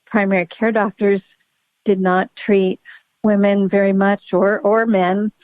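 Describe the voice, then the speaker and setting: A woman's voice: mid-range voice, level tone, unhurried, no echo. A woman speaking conversationally as an expert guest in an interview, over a remote call. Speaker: guest, pediatric neurologist. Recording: very narrow phone-like line.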